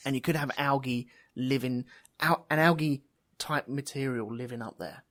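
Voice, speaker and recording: A man hosts a loose, chatty podcast at an ordinary mid pitch. He rambles, trails off, and mocks his own grasp of the subject. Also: a little slow, fairly bright tone. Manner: rambling, self-mocking, thinks aloud. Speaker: podcast host. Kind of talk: casual chat.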